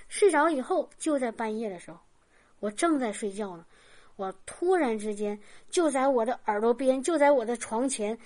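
A woman with a high voice preaches a personal testimony to her congregation. She rambles and repeats herself, fills pauses with little verbal tics, and acts out the voices in her story. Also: lively intonation, a little mellow. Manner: rambling, repetitive, full of fillers. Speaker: church preacher giving testimony. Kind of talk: sermon testimony.

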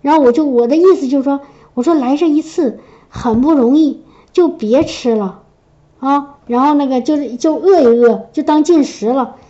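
A woman's voice: high-pitched, normal speed, dark tone. A middle-aged woman telling a personal church testimony in a chatty way, with many restarts. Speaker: church member giving testimony. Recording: dull lo-fi recording.

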